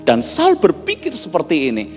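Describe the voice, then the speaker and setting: A man's voice: fairly high pitch, huge pitch swings, normal speed. A man preaching a sermon, telling anecdotes and often addressing his listeners directly. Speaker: pastor. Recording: hall reverb with faint music behind.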